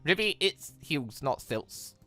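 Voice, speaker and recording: A man voicing an earnest, patient young man in a visual novel, hesitant and gently coaxing. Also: a little high, sing-song, takes it slowly, dry recording, faint music behind, heavily acted. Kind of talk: visual novel character reading.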